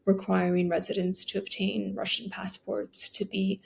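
A woman's voice: medium pitch, flat delivery, moderate pace, creaky. A woman interviewed about a report she helped write, speaking in a formal, precise way. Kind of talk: interview soundbite.

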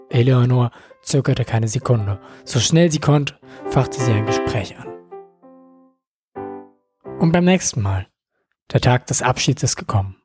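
Male comic narrator, deadpan mock-drama, warm dark tone, soft piano bed. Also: medium pitch. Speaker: comedian. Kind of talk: parody melodrama narration. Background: soft atmospheric piano.

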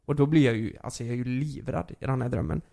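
A young man talks in a relaxed, chatty way. His story wanders, full of fillers and restarts. His mid-range voice has a gravelly edge. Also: medium pitch. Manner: rambling, many fillers and restarts. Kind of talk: casual storytelling.

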